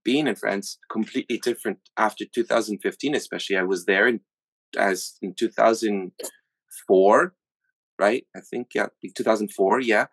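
A man's voice: lowish voice, normal speed, no room sound. Hesitant man in his thirties. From USA. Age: 30s. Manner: hesitant, many fillers and restarts. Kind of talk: casual conversational chat.

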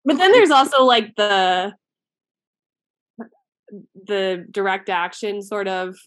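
A woman co-hosting a casual chat, telling stories in an animated way with lots of "like" and quick asides. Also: mid-range voice, no echo. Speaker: podcast co-host.

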